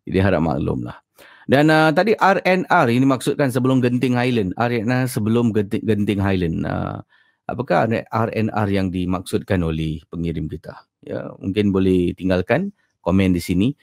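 Low-voiced Malaysian man, slightly slurred lisp. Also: lively intonation, moderate pace, vocal fry, a little mellow, dry recording, studio quality. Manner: slightly slurred, lisping speech from tongue ulcers. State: sore tongue with ulcers. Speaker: podcast and livestream host. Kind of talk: casual livestream chat. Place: at home.

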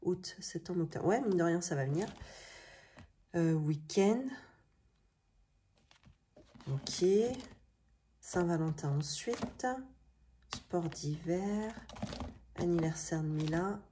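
A woman in her thirties with a French accent chats casually, thinking aloud in colloquial speech with a slightly rough morning voice. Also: on the low side, slow, long pauses, warm tone. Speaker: budgeting video host. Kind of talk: casual chatty vlog narration. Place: indoors at a table. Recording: noisy home recording with clicks.

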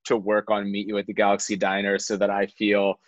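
A theatre artist in his thirties, joining a roundtable panel over a video call from his living room, makes an impassioned point earnestly and haltingly, hedging as he goes. His lowish voice is completely flat, and the muffled, roomy call audio has a slight hiss or hum.

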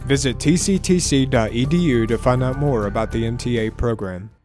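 A young man delivers scripted radio spots in a medium-pitched announcer's read. Clear music plays behind him. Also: brisk, darkish tone. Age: young adult. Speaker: media student and radio announcer. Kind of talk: scripted radio commercial narration.

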